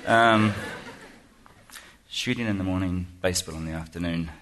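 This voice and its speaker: A man's voice: low voice, moderate pace, fairly bright tone, slight background noise. A man with a New Zealand accent giving a self-deprecating, chatty speech to an audience, full of ums and restarts. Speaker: guest speaker. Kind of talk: humorous keynote speech. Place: lecture hall before an audience.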